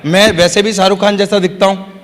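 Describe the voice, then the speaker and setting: A man's voice: high-pitched, level tone, fairly quick, noisy background. A man giving a motivational stage talk to a live audience, often asking them to agree. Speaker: motivational speaker. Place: large hall with an audience. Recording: reverberant hall.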